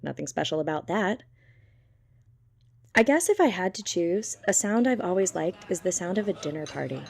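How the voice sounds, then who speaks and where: A woman's voice: lowish voice, sing-song, normal speed, creaky. A woman playing a reflective, wry character in an audio drama monologue, musing intimately.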